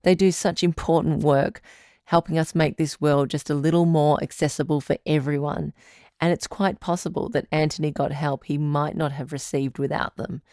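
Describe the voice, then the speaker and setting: A woman playing a calm, supportive radio advice doctor, speaking in a deliberate, reassuring way. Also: low-pitched, dry recording, studio quality, natural voice. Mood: warm sign-off. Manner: reassuring, deliberate, clearly phrased. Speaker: radio call-in show host. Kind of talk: radio advice show, measured delivery.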